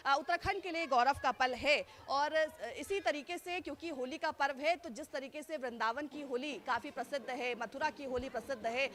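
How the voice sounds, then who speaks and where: Woman field reporter, live outdoor news report, very high voice, fluent with fillers. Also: moderate pace, few pauses, fairly bright tone. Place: outdoors at a temple festival gathering.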